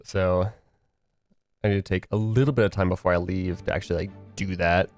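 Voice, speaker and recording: A young man with a fairly low voice talks loosely to his stream, slightly stuffy and nasal from a lingering cold. He rambles and restarts his sentences, his voice still a little tired from the morning. Faint music plays behind him. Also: fairly even intonation, fairly quick, darkish tone, no room sound. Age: young adult. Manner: rambling, filler-heavy, restarts often. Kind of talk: casual solo chat to a live stream.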